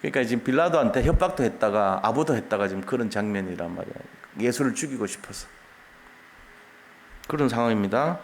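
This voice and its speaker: A man pastor delivers a sermon in a church, working through a Bible passage verse by verse. He speaks in a colloquial, conversational way and acts out the lines he quotes. His pitch moves up and down widely, sitting in a middle range for a man. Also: animated, fast, a little hiss or hum.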